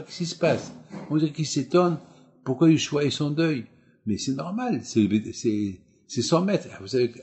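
Rabbi guy preaching, dark mellow voice, keeps repeating and asking where's the problem. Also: medium pitch. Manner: repetitive, emphatic rhetorical questions. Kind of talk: sermon.

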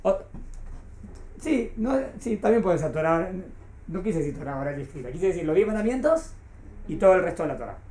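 A woman's voice: fairly low pitch, very animated, fairly quick, mellow, slight background noise. A woman teaching a class, explaining patiently and often checking that her students follow. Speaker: Torah teacher. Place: classroom with a small group. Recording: echoey classroom recording.

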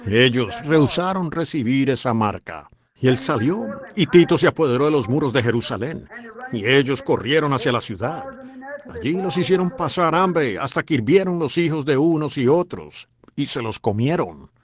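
A man's voice: medium pitch, animated, normal speed. Fervent man preaching a sermon. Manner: fervent, exhorting. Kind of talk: dubbed sermon.

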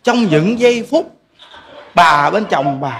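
A man's voice: high voice, animated, slow, a bit bright, slight background noise. A man with a Southern Vietnamese accent, a Buddhist monk giving a humorous dharma talk, laughing often and speaking straight to his audience. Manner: jokey, laughing, addresses audience directly.

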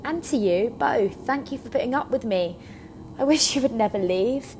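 A woman's voice: on the high side, animated, moderate pace, a little mellow, slight background noise. A woman acting a kindly, rather lonely research scientist in a naturalistic audio drama. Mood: fond. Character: kindly, lonely, hard-working female Arctic scientist. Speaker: actor.

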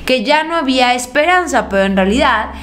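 A young woman with a Mexican accent delivers political commentary in an emphatic, sarcastic way, her fairly high voice jumping around as she makes her points. She sits close to a webcam in a small room that rings with noticeable echo. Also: a little fast. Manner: emphatic, sarcastic, animated pitch swings. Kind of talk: opinionated news commentary. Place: indoor room at a desk. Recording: roomy echo.

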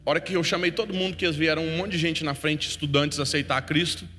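A man preaching a sermon, telling a story with feeling and swinging from hushed to loud. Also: fairly high pitch, fairly even intonation, fast talker, a little hiss or hum. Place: church hall. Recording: long hall reverb with faint music.

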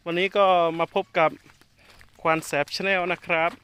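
A man's voice: high-pitched, level tone, measured pace, smooth. A man keeping elephants, chatting to viewers in a casual outdoor vlog. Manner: chatty, addresses viewers, calls animals loudly. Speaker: elephant keeper and channel host.

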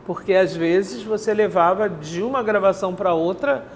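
A woman's voice: mid-range voice, slight background noise. An older woman interviewing a guest in a TV studio, recounting anecdotes at length with repeated phrases, recorded on a lapel mic. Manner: anecdotal, drawn-out storytelling with repeats. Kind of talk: casual studio interview chat. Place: bright indoor TV studio, seated.

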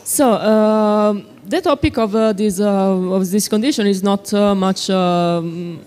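A woman's voice: mid-range voice, a little slow, a little mellow. A young woman in her twenties interviews a director at a festival lounge. She talks hesitantly, filling gaps with uh and um, into a handheld microphone. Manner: hesitant, many fillers. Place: festival lounge set, indoors. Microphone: handheld mic.

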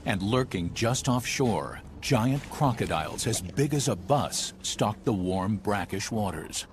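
A man's voice: on the low side, lively intonation, a little slow. A man narrating a nature documentary in a scripted, dramatic and emphatic style. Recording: music under the voice. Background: dramatic background music.

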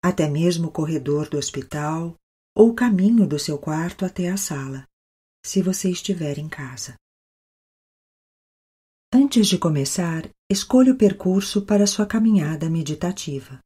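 A Brazilian woman leading a guided meditation as an instructor, with the calm, soothing delivery of a yoga teacher and long pauses. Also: fairly low pitch, husky.

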